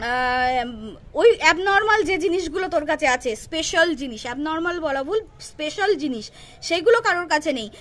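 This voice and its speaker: A woman's voice: very high voice, fairly bright tone. A woman giving unscripted roast commentary, confrontational and scolding, repeating herself and firing rhetorical questions. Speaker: YouTube commentary creator.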